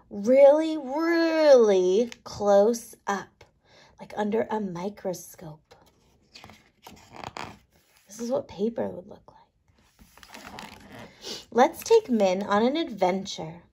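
A woman kindergarten teacher reading a picture book aloud, playful and expressive, leaning on key words. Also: a little high, husky.

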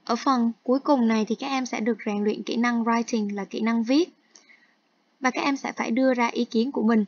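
Speaking briskly with some vocal fry, a woman with a slightly high voice and fairly even intonation takes students through textbook exercises in an online English lesson. She explains each task step by step, alternating between Vietnamese and English terms. The sound is dry, dull and lo-fi.

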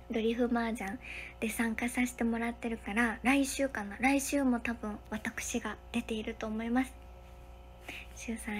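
A young woman, hosting a casual livestream from a hotel room and thanking viewers for their comments one by one, sometimes dropping to a soft whisper. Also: on the high side, slight background noise. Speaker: livestream host.

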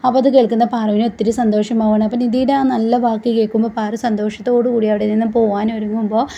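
A woman's voice: fairly high pitch, flat delivery, fast, gravelly, warm tone. A woman host chattily retelling a TV serial's plot with frequent fillers, on a dull lo-fi recording. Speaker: channel host.

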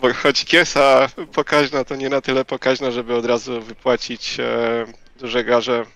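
Male player, gravelly bright voice, hesitant, dry video call sound. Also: medium pitch, flat delivery, a little slow, dry recording, low-quality recording. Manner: hesitant, filler-heavy. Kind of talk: in-character role-play narration.

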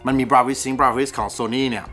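A man hosting a casual tech review vlog, excitable and self-mocking, swearing casually as he goes. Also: medium pitch, a little slow, loud music behind the voice. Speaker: host, gadget reviewer.

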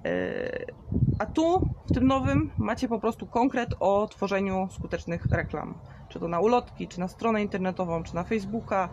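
A woman's voice: medium pitch, normal speed, lo-fi sound, noisy background. A woman in her thirties talking on a live stream, answering viewer questions with a chatty, explaining manner and many fillers. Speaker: marketing trainer for beauty salons. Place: outdoors in a garden.

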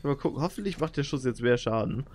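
A young man giving excitable, slangy commentary while playing a video game as a channel host. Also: medium pitch, quick pace, a little hiss or hum. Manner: excitable, slangy, frequent exclamations. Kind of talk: let's play commentary.

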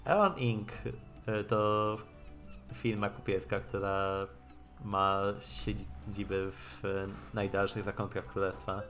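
A man reading visual novel dialogue aloud in a halting way and adding his own comments as a streamer. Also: lowish voice, fairly even intonation, fairly bright tone. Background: game music.

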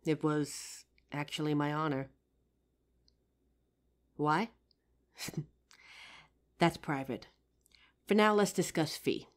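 A woman playing a kind, playful psychic who gently helps a ghost in an audio roleplay. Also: sits low, drawn-out words, long pauses. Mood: quiet, wistful. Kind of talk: audio roleplay addressed to the listener.

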